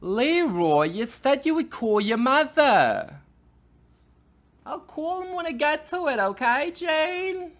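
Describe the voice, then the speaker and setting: A man putting on the voice of an older husband bickering with his wife, with a high, strained put-on voice. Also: big pitch swings, slow, fairly bright tone, heavily acted.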